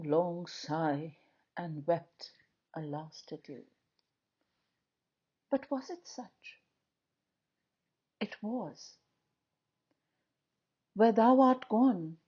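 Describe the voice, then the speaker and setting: Female poetry reader, lowish husky voice, solemn and measured dramatic delivery, slightly muffled lo-fi sound. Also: warm tone. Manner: measured, declamatory, with frequent pauses between short phrases.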